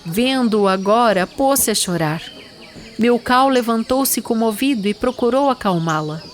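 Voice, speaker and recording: A woman narrating a literary story for an audio drama in a measured, solemn way. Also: fairly high pitch, lively intonation, a little hiss or hum.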